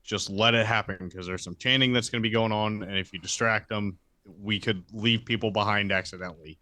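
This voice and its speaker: Male tabletop player, low and matter-of-fact, casual delivery, very dry sound. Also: steady tone, brisk, pushed and bright, dry recording. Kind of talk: casual in-character game play.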